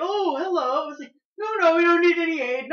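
At a fairly quick pace, someone performs a put-on character voice pitched extremely high.

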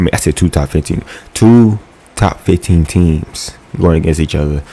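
With a very deep, low pitch, a man talks at a moderate pace. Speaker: sports reaction YouTuber. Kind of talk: casual game-highlight reaction commentary. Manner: animated, laughs often.

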